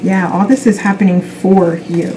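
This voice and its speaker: A woman speaking as a spiritual self-help influencer, giving an unscripted card reading in a gentle, affirming way with unhurried pauses. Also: medium pitch, fairly even intonation, background noise. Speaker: tarot card reader.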